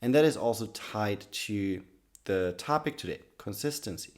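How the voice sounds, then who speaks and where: A man with a slightly raspy voice from being sick, talking to camera in an earnest, loose way about personal growth. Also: lowish voice, animated, normal speed, darkish tone. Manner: earnest, loose sentences with many restarts and "like". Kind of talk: casual talk to camera.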